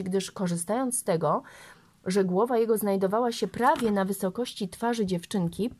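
A woman narrating a novel aloud in a steady, measured way. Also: mid-range voice. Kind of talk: audiobook reading of a novel.

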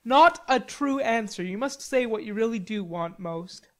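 A woman plays a playful teenage boy for an audiobook. The voice is on the high side, lively and teasing. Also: normal speed. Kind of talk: audiobook character dialogue.

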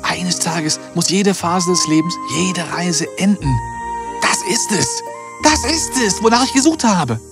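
An actor playing a loyal, earnest man in an animated fairy tale, speaking emphatically. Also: medium pitch, unhurried, music in the background. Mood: awed, grateful. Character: loyal, earnest bearded man, a king's devoted friend.

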